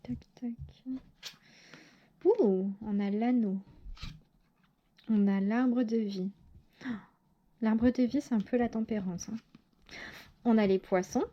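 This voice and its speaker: A woman's voice: a little high, fairly even intonation, slow pace, long pauses, muffled recording. A woman giving a casual tarot reading to her viewers, talking hesitantly with lots of fillers and self-corrections. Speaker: tarot reader.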